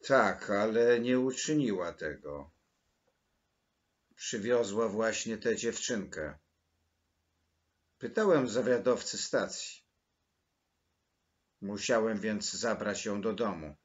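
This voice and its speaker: A man voicing a shy, gentle elderly farmer who speaks timidly. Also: on the low side, lively intonation, slow pace, pauses often, dull audio. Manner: timid, quiet-spoken.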